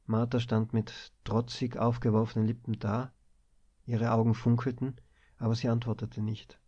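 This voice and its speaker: A man narrating a novel as an audiobook, with calm, even storytelling. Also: medium pitch, normal speed, husky. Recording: dull lo-fi recording.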